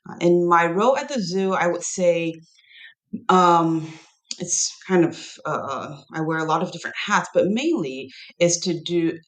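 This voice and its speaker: A woman from Taiwan, a zoo research curator, introducing herself in a relaxed way with hedges and ums. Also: fairly low pitch, measured pace. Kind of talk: interview self-introduction.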